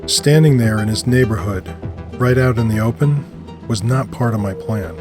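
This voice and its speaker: A man's voice: mid-range voice, normal speed. A man narrating scripted first-person audio fiction. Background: music.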